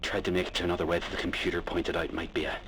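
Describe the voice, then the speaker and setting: A stranded spaceship survivor played by a man records a log in a deep voice with a tense edge. He is weary and afraid yet stubborn, speaking in halting, hushed phrases. There is noticeable noise behind him, as in an audio drama log. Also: flat delivery. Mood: brooding, weary. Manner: halting, hushed, breaking into whispers. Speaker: solo role-player playing a character. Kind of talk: in-character audio log narration.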